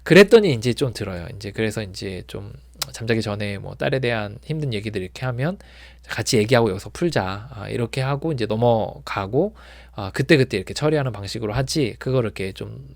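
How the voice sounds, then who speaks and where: A man's voice: fairly low pitch, animated, fast, vocal fry, no echo. A man counselling on addiction recovery, talking informally and rambling with many fillers and restarts. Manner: acts out shouting people when retelling. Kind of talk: informal talk to viewers.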